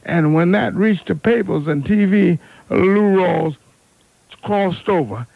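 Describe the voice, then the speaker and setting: A man's voice: high-pitched, gravelly, husky, dry recording. A man hosting an R&B oldies radio show with unscripted, fumbling chatter, repeating and correcting himself as he goes. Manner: halting, fumbling, self-correcting, repeats words. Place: radio studio. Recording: narrow, phone-like AM radio aircheck.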